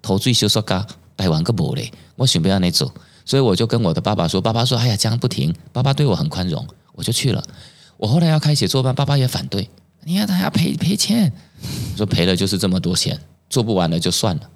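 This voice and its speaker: A man's voice: lowish voice, fast. A middle-aged man with a Taiwanese Mandarin accent, telling personal stories as a podcast guest and acting out the quoted dialogue. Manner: animated storyteller who acts out quoted dialogue. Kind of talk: personal storytelling in conversation.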